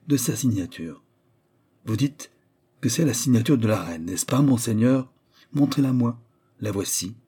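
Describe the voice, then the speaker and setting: A man's voice: mid-range voice, expressive, measured pace, long pauses, dark tone, breathy edge. A man voicing an anxious, pleading male court jeweler with an insistent manner. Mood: desperate.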